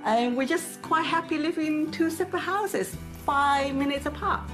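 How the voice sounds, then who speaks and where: A woman's voice: high-pitched, moderate pace, over music. An older woman chatting casually as a house hunter, using chatty, phrasing. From Hong Kong. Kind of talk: casual interview chat.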